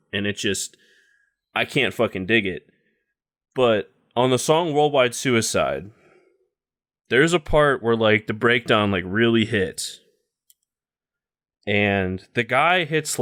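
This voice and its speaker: A man's voice: fairly low pitch, a bit bright. A young man co-hosting a podcast in casual chat, giving blunt opinions peppered with "like" and swearing. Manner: blunt, heavy use of "like", swears freely. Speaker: podcast co-host.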